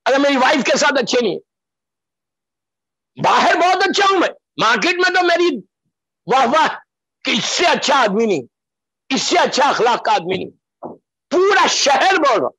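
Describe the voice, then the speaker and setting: Impassioned high-voiced male preacher. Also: sharp tone, dry recording, low-quality recording. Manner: repeats phrases for emphasis; mixes in English phrases. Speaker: Shia preacher. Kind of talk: Muharram majlis sermon. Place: religious gathering, broadcast live.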